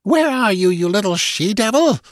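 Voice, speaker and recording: A man's voice: sits high, sing-song, unhurried, a little mellow, dry recording, studio quality, voice pushed up, exaggerated voice. A man voicing a cruel, imperious young woman with a cool, haughty, menacing manner in a fantasy audiobook. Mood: furious. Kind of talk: dramatised audiobook reading of pulp fantasy.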